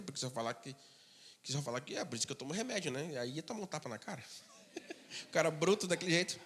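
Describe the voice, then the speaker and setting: Male pastor, sermon, high and bright tone, conversational storyteller, reverberant hall. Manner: conversational storytelling, drops to a low murmur for asides.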